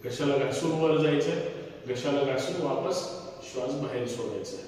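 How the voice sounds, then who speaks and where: A man leading a yoga class through breathing exercises, giving calm step-by-step cues that drop almost to a whisper between rounds. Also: mid-range voice, normal speed. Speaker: yoga instructor. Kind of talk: guided breathing instruction. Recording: echoey hall recording from far off with faint noise.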